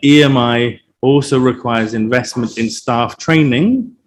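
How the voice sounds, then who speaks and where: With music in the background, a man talks at a fairly slow pace in a medium pitch that varies in an ordinary way. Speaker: panel speaker on English-medium education. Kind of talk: online panel presentation. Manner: hesitant, many fillers.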